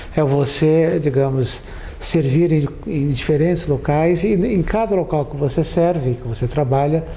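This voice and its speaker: Amid noticeable background noise and audible room echo, a man with a fairly high pitch speaks at a fairly slow pace with ordinary pitch variation. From Brazil, São Paulo city. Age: 60s. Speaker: diplomat. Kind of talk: interview. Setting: consulate office.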